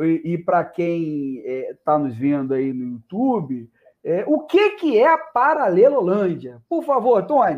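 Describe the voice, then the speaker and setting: Speaking at a fairly slow pace, a man with a high pitch makes very wide pitch swings. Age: 40s. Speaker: podcast host. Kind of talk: casual political discussion. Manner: halting.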